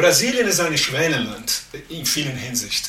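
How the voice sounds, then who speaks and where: Amid noticeable background noise and audible room echo, a man with a Portuguese accent speaks in a high-pitched voice. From Brazil, São Paulo. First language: Portuguese (speaking German). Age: 50s. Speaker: trade union adviser and lawyer. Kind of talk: interview. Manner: halting.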